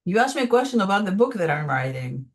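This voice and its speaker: An older woman from Greece with a Greek accent, answering audience questions on a video call with many pauses and ums. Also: mid-range voice, big pitch swings. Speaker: conference presenter answering questions.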